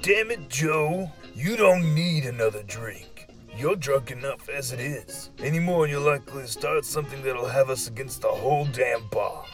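A man's voice: mid-range voice, lively intonation, normal speed, hardly any pauses, faint music behind, lightly acted. A man playing an exasperated, cautious friend in an audio drama, wearily scolding with casual swearing. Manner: weary, nagging, casual swearing. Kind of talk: audio fiction acting.

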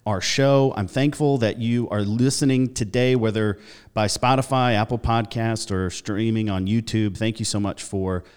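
A man hosting a podcast interview, friendly and enthusiastic, often pausing with fillers. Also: on the low side, fairly even intonation, darkish tone, smooth. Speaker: podcast host. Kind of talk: casual interview conversation.

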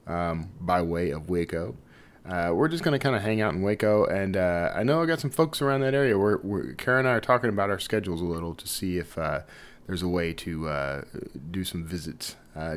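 A man hosting a podcast in a chatty, informal, rambling way, often hesitating and digressing. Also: low voice. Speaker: podcast host. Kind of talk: casual, rambling podcast introduction.

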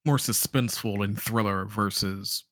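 A man's voice: lowish voice, steady tone, normal speed, a bit bright, dry recording, studio quality. A man hosting a podcast in casual chat, talking like an enthusiastic fan with joking asides. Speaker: podcast host. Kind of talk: casual podcast chat about games and films.

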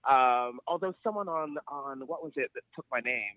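Through narrow, tinny, dry audio comes a transatlantic-accented celebrity wardrobe stylist, New York-born and raised in Europe and Sierra Leone. Speaking at a medium pitch and moderate pace, he chats casually as an interview guest, self-assured, playful, and anecdotal.

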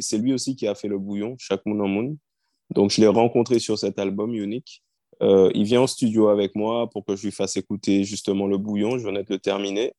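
A man in his thirties, a singer-songwriter, telling how his songs came together in a relaxed interview. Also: lowish voice, dry recording, clean studio sound. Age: 30s. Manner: storytelling, easygoing, frequent fillers.

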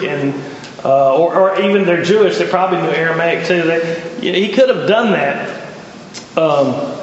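A man's voice: a little high, a little hiss or hum. A man with a Southern US accent teaching an informal Bible class, conversational and folksy, asking his class questions. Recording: echoey hall, dull lo-fi sound.

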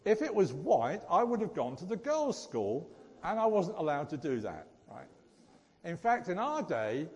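A man's voice: high-pitched, darkish tone. A man with a Suffolk English accent gives an informal teaching sermon, conversational and often checking in with his listeners with questions. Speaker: preacher. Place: large echoing hall, speaking to a group. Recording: reverberant hall.

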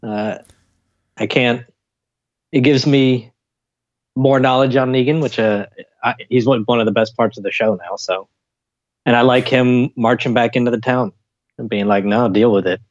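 A laid-back man of middle pitch, guesting on a podcast with an easy, jokey manner and frequent laughs. His voice comes through dull and lo-fi. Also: fairly even intonation, moderate pace, pauses often, dry recording. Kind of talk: casual chat.

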